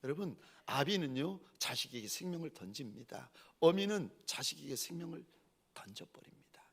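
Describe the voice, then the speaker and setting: Male pastor, sermon, animated storytelling, somewhat high pitch, expressive intonation. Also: normal speed, gravelly, husky. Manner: animated storytelling, acting out the people he quotes.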